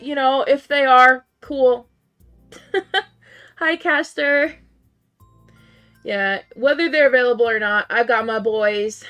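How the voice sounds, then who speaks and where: Slightly hoarse woman streamer, chatty. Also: a little high, fairly bright tone. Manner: chatty, laughs often, many "um" fillers. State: slightly hoarse, losing her voice. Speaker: game streamer. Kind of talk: casual live-stream chat.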